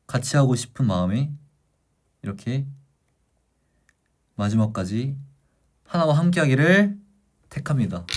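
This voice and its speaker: On his livestream, a young man with a mid-range, slightly mellow voice retells a book's story to viewers in a lively, casual chat.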